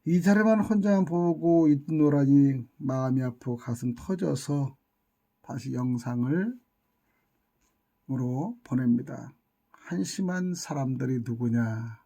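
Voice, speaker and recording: A man's voice: mid-range voice, takes it slowly, vocal fry, dark tone. A man giving an impassioned monologue, scolding and lamenting with rhetorical questions and insults. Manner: scolding, indignant, hurls insults. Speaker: YouTube channel commentator.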